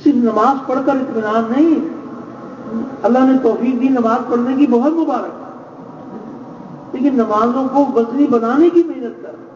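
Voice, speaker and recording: A man preaching a sermon, measured and exhorting, repeating key phrases. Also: very high voice, darkish tone. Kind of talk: religious sermon. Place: large gathering space. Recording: echoey, distant, dull lo-fi with faint noise.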